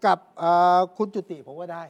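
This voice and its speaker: A man commenting on politics in a casual talk show, chatty and polite, with frequent agreeing interjections. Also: fairly quick. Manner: chatty, adds polite particles, backchannels often. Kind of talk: casual political analysis chat.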